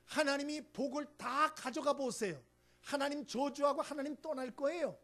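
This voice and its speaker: A man voicing Satan accusing a man before God, louder and higher than his preaching voice. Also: normal speed. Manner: louder, raised pitch, challenging. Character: accusing male Satan, scornful and sly.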